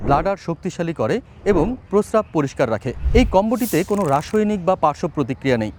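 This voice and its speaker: A man's voice: fairly high pitch, a little mellow, slight background noise. A man narrating a scripted product advertisement as a voice-over artist, in a persuasive announcer manner.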